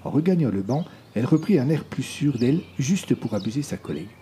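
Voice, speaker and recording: A man reading a story aloud as narrator, expressive and shifting his voice between characters. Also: a little fast, a little hiss or hum. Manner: expressive, varies pitch widely between characters. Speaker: audiobook narrator. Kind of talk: scripted narration.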